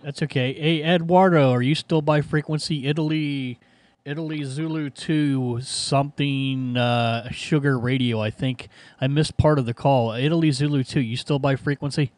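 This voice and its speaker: A man's voice: mid-range voice, steady tone, moderate pace. A man with an American accent talking casually as an amateur radio operator, repeating key phrases. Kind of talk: ham radio contact, casual exchange. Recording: loud background noise and clicks.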